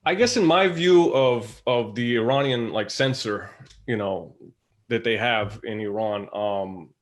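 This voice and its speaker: A man's voice: mid-range voice, a little slow. A man casually putting a question in an interview, tentative and hedging as he circles toward his point. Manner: tentative, circling hedged phrasing. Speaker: interview participant asking questions.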